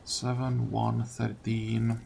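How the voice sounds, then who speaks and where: A man commentates his own video game in a casual, deliberating way, thinking out loud as he goes. His pitch sits in an average male range, and light music plays underneath. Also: completely flat delivery, slow pace, gravelly. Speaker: gamer commentating his playthrough. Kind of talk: casual let's-play commentary. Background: faint game music.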